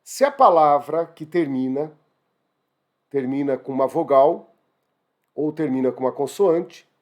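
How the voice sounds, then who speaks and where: A man with a Brazilian Portuguese accent teaching an online exam-prep grammar lesson in a lively, exclamatory way. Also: on the high side, measured pace. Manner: lively, exclamatory, addresses students as "gente".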